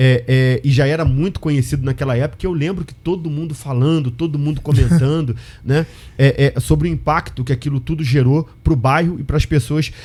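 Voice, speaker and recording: A man with a fairly high pitch and a somewhat breathy voice talks at a fairly quick pace with ordinary pitch variation. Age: 40s. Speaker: pastor and podcast host. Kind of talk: interview.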